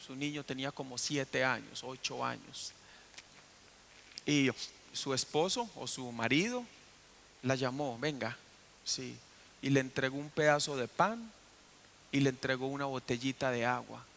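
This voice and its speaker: A man's voice: mid-range voice, unhurried, vocal fry, long pauses, a bit bright, a little hiss or hum. A man preaching a sermon as pastor, telling the story and putting questions to the congregation. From Costa Rica. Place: church.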